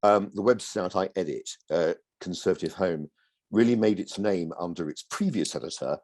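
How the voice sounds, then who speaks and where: A hoarse man who is losing his voice, giving modest opening remarks as a panel speaker over a video call. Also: low-pitched, moderate pace, a little mellow.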